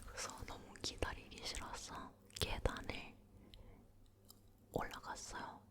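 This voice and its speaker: In a slow, hushed whisper, a woman hosting ASMR shares personal stories close to the microphone, softly repeating her words as she goes.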